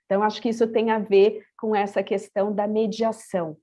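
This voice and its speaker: Brazilian woman panelist, warm mellow tone, hesitant reflective delivery. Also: mid-range voice, little pitch movement, a little fast. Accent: Brazilian Portuguese. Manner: thoughtful, many hesitations and restarts. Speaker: panel speaker on bilingual education. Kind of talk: panel discussion answer.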